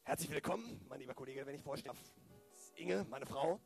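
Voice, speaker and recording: A man's voice: on the high side, quick pace, gravelly, soft background music. A man playing a chatty, over-eager, formally polite police detective in an improvised audio drama. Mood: eagerly hospitable.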